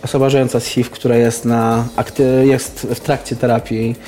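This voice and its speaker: A male interview guest speaks in a mellow, mid-pitched voice with little melodic movement. He explains things informally, picking his way carefully and haltingly through each point. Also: little pitch movement. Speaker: interview guest, campaign activist.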